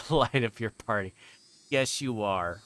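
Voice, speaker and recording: A man's voice: fairly low pitch, unhurried, fairly bright tone, a little hiss or hum. A man livestreaming a visual novel, switching between reading aloud and rambling, joking chat with viewers. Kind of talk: reading game text aloud mixed with casual stream chat.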